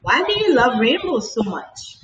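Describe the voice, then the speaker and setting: Woman voicing an excitable, high-pitched curious little girl. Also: unhurried, lo-fi sound. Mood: tender, wondering. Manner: exclaiming, questioning, earnest. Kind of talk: children's storybook read aloud. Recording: echoey room, distant mic, slight noise.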